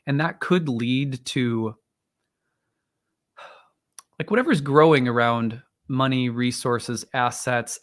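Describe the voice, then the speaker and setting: A man in his thirties or forties hosts a livestream and reads an astrology chart in a loose, rambling way, with plenty of fillers and restarts. His voice is strained and wearing out, and he clears his throat now and then. His pitch sits in the middle range for a man. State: voice strained and tiring. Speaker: astrologer, live stream host. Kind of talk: casual livestream talk and chart reading.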